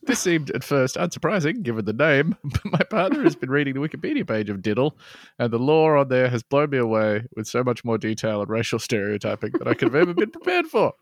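A man with an animated, mid-pitched voice cohosts a comedy podcast. He reads letters aloud and breaks into wry jokes and laughter. The sound is dry and close to the mic. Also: fast, dry recording. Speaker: podcast co-host. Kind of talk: casual comedy chat, reading listener mail.

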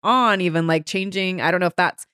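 A woman hosting a podcast interview, talking in a chatty, animated way with many filler words. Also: lowish voice, a little fast, clear, resonant tone, dry recording, clean studio sound. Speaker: podcast host. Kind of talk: casual conversational interview.

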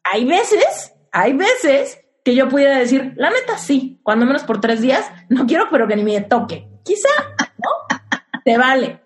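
A woman's voice: high voice, very animated, unhurried. A young woman with a Mexican accent hosting a casual chat, giving frank relationship advice and posing rhetorical questions.

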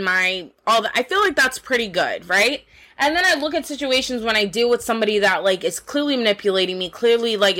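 A woman's voice: medium pitch, sharp tone. A woman hosting a podcast, speaking frankly in a casual monologue full of swearing, fillers and rhetorical questions to the listener. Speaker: podcast host.

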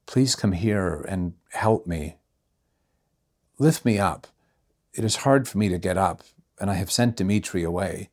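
A man voicing a gravely ill, helpless gentleman who speaks weakly and pleadingly in a storybook reading. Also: low voice, unhurried, long pauses. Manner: weak, pleading.

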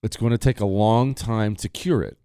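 A man's voice: fairly low pitch, moderate pace, dark tone, smooth, dry recording, clean studio sound. A man hosting a talk radio show, delivering a blunt, emphatic opinion monologue while nearly losing his voice and sucking a cough drop.

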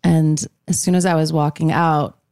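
Young woman podcast host, chatty, darker mellow tone, lots of vocal fry. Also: low-pitched, level tone, moderate pace, no echo, clean studio sound. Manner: chatty, upbeat. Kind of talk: casual interview chat.

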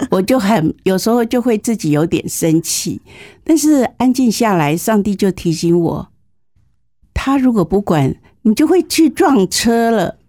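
Mellow woman in her sixties, southern Taiwanese accent. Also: medium pitch, very animated, unhurried, no room sound, clean studio sound. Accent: southern Taiwanese Mandarin. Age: 60s. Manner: candid, self-deprecating, humorous. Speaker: interview guest, teacher. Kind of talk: conversational personal storytelling.

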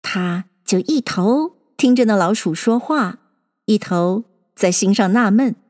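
A woman reading a children's story aloud, gentle and expressive. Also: medium pitch, a little slow, long reverb tail.

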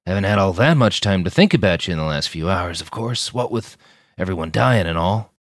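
A badly wounded army major, voiced by a man, slurring through pain with a wry edge. The voice sits low but swings widely, close and dry with no room sound. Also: lively intonation, fairly quick, no room sound.

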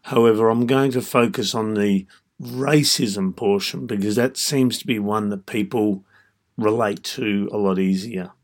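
A man in his fifties with an Australian accent, hosting a reflective solo podcast in a measured, deliberate way, breaking his thoughts into short phrases. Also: lowish voice. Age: 50s. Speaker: podcast host.

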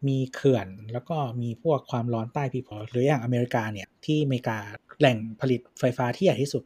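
A man's voice: mid-range voice, fast, darkish tone, breathy edge, no echo. A man co-hosting a tech podcast, explaining things politely with some hesitations. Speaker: podcast co-host. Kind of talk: casual tech podcast chat.

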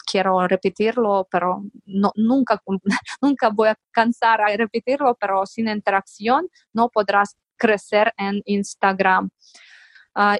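Brief: female podcast guest, earnest and encouraging, pauses to find words, dry close sound. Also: on the high side, dry recording. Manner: searches for words. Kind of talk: podcast interview.

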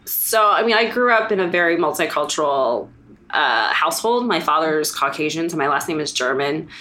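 Woman, from the US, interview guest, slightly low pitch, rambling, conversational. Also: animated, moderate pace, bright, forceful tone, slight background noise. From United States. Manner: rambling, with many fillers and self-corrections. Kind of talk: casual interview chat.

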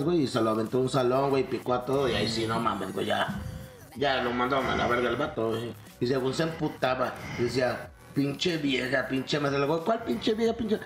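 Slangy young Mexican man, echoey. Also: mid-range voice. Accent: Mexican Spanish. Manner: crude slang, lively anecdotes. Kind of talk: casual chat, storytelling. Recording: echoey room.

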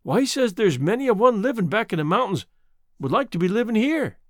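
A man voicing a gentle old mountain widow. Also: sits high, very animated, normal speed, no echo, voice pushed up. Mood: plaintive. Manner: rural dialect, homely grammar; apologetic, wistful.

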